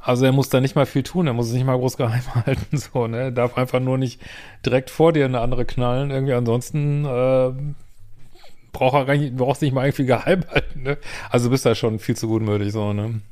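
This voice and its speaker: A man's voice: mid-range voice, steady tone, a little fast, darkish tone. Man, host, blunt, swearing, commenting on a viewer's letter, questioning tags at sentence ends.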